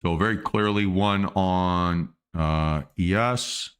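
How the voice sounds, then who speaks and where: A man's voice: deep voice, slow, clear, resonant tone. A man hosting a day trading livestream, casually thinking aloud through his trades with fillers and restarts, with the hiccups. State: has the hiccups. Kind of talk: live market commentary.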